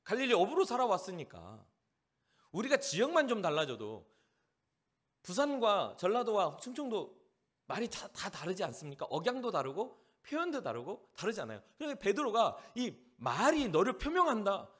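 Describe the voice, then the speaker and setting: A man from Jeolla, South Korea, preaching as a pastor at a youth service, animated and acting out the people he describes. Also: high voice, moderate pace, husky. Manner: animated, acts out the lines of the people in the story.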